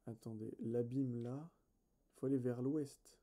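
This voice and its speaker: Male let's play host, deep mellow tone, casual, hesitant self-correcting commentary. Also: steady tone, measured pace. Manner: chatty, addresses viewers directly.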